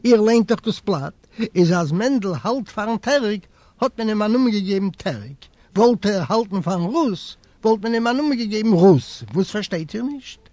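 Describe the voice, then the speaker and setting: A male audiobook reader voicing a fussy, pious old man who is easily startled and talks in quick exclamations and questions. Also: high voice, expressive, a little mellow, dry recording. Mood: explaining. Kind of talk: audiobook character voice.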